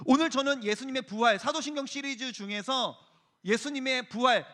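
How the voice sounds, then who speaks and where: Preaching energetically to high school students, this man in his thirties works as a youth pastor and brings his stories to life by performing different voices.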